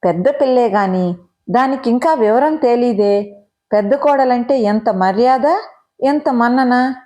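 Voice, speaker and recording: A woman's voice: on the high side, a little slow, warm tone, lightly acted. A woman voicing a stern elderly grandmother who lectures and warns in a traditional, scolding way. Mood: disapproving. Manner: lecturing, warning tone.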